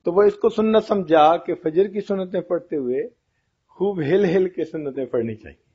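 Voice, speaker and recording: Man giving a lively religious lecture. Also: sits high, husky. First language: Pashto-region colleagues mentioned, not him. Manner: storytelling, asks the audience questions. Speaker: Islamic lecturer. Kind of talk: religious lecture with humorous anecdotes. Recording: dull lo-fi audio.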